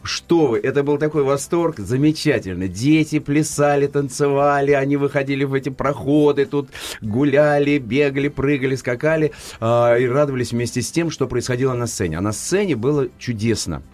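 An older man, an actor and former children's TV presenter, telling stories as a guest in a radio studio, lively and emphatic. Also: mid-range voice, brisk. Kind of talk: studio interview.

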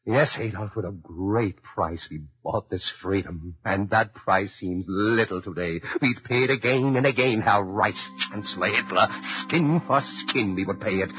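A man's voice: fairly low pitch, unhurried, hardly any pauses, husky. An actor playing an immigrant American man who writes defiantly to a dictator, in the declamatory style of 1940s radio drama. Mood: resolute. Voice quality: declamatory, building to fervent cries. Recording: muffled 1940s radio broadcast with music.

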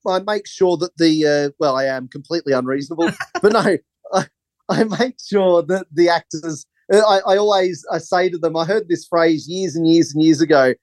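Guy rambling about directing, keeps laughing at himself, kinda high voice. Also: a little mellow, dry recording. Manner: rambling, self-deprecating, laughs often. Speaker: film director. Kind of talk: casual interview chat.

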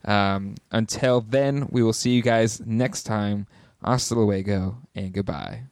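A man's voice: fairly low pitch, slow, dry recording, clean studio sound. A man co-hosting a casual TV podcast, easygoing, reading out contact details with many fillers. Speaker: podcast co-host. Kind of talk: casual chat and show outro.

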